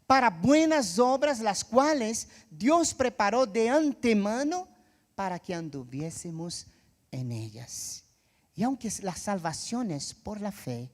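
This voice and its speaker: A male pastor preaching a sermon, emphatic and reflective, pausing often with "eh" as he thinks. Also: sits high, darkish tone. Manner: reflective, with frequent "eh" pauses.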